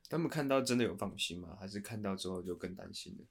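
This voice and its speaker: A man's voice: low voice, expressive, fast, gravelly. A man co-hosting a podcast in casual, friendly chat. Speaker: podcast co-host.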